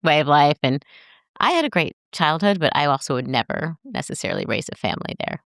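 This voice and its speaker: American woman podcast guest; low voice, animated storyteller, dry studio sound. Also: fairly quick, vocal fry, no room sound. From United States. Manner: animated, acts out voices in her anecdotes. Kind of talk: casual storytelling chat.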